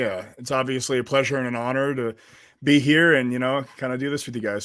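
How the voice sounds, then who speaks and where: Very fast speech in a strong Minnesota accent. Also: man. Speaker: fitness coach and army veteran. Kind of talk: podcast interview. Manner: energetic.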